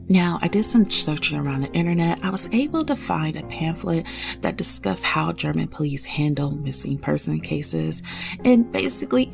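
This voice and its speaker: A woman's voice: low-pitched, vocal fry, a little mellow. A woman hosting a true-crime podcast, talking through a case in a conversational way, thinking aloud with frequent asides. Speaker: podcast host.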